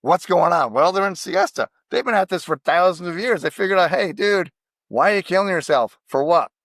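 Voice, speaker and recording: Emphatic American man, slightly high voice, dry close mic, podcast guest. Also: brisk, no room sound. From United States. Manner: emphatic, animated storytelling. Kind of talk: casual podcast conversation.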